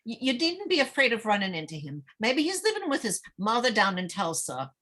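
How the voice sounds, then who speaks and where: A woman acting as an anxious, needy middle-aged small-town mother in a script read, halting and stammering as she talks. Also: a little high, sing-song, a bit bright. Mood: wistful, gossipy. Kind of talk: dramatic table read of a screenplay.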